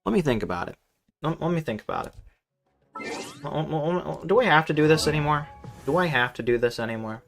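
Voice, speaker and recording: A man's voice: fairly high pitch, expressive, a little fast, vocal fry, pauses often, fairly bright tone, soft background music. A man streaming a video game, chatting casually with viewers in a sweary, rambling way and often repeating himself. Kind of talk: casual live stream chat and gameplay commentary.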